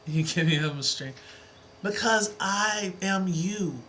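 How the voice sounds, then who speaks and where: Bright-voiced encouraging woman tutor. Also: lowish voice, takes it slowly, a little hiss or hum. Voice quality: soothing. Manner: encouraging, reassuring. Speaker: math tutor. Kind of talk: live-streamed math lesson.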